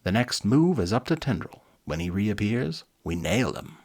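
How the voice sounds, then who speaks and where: A man's voice: fairly low pitch, sing-song, moderate pace, vocal fry, darkish tone, exaggerated voice. A man voicing a curt, authoritative male team leader in a children's storybook, giving snappy orders. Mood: commanding.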